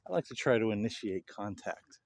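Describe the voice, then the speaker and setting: Male host, low voice, informal explanatory delivery to viewers. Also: animated, a little fast, darkish tone. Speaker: paranormal investigator and host. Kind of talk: casual explanatory talk to viewers.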